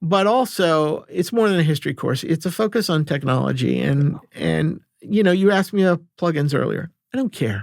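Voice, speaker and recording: In a normal speaking voice, a man with an American accent talks at a fairly quick pace with a fairly high pitch, lively intonation and very even loudness. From New England, Boston area. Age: 60s. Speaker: music professor and composer. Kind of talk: podcast interview.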